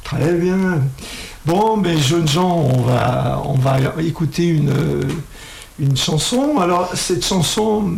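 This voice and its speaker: A man's voice: a little high, expressive, takes it slowly, vocal fry, darkish tone. A man hosting a casual interview with students, asking friendly questions and often hesitating and restarting his sentences. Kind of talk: casual radio-style interview.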